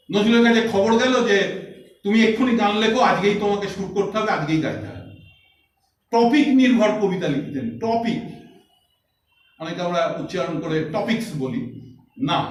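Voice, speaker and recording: A man giving an emphatic, teacherly talk at a literary meeting, quoting poetry aloud as he goes. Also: high voice. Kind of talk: lecture speech. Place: meeting hall. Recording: echoey hall from far off.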